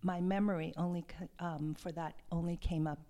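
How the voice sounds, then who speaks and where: A woman from Hawaii, a love and sexuality coach, talking in a soft, hesitant and reflective way as an interview guest. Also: on the low side, steady tone, fairly quick. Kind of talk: podcast interview.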